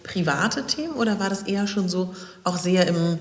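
A woman's voice: fairly low pitch, lively intonation, normal speed, reverberant, in a large hall. A woman, a coach hosting the interview, asking long winding questions and backing her guest with frequent short affirmations. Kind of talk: conversational interview.

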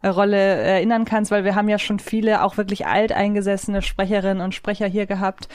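A woman's voice: medium pitch, flat delivery, fast, darkish tone, clear, resonant tone, dry recording. A woman hosting a podcast, asking long, winding questions in a casual conversational style. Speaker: podcast host. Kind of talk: casual interview chat.

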